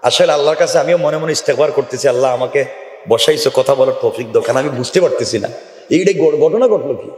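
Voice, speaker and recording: A man's voice: medium pitch, quick pace, a little mellow. A man preaching a sermon to a large gathering, theatrical and teasing, acting out voices and prompting the crowd to answer. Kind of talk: sermon at an outdoor religious gathering. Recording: echoey, reverberant PA sound from far.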